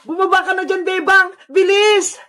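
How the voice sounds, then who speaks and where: A woman voicing a bossy friend on a rescue, hurried and commanding. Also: very high voice, steady tone, sharp tone. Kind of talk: Tagalog cartoon voice acting.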